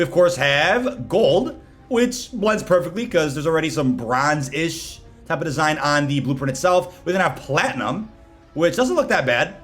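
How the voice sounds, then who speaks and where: Gaming host: man with a fairly high voice, informal slangy commentary over faint music. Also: a bit bright. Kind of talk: casual gameplay commentary.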